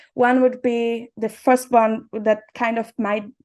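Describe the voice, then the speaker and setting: Against a quiet background, a woman with a Portuguese accent speaks at a fairly slow pace in a high pitch. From Brazil. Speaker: artist and researcher. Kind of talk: conference presentation. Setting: conference. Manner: halting, many fillers.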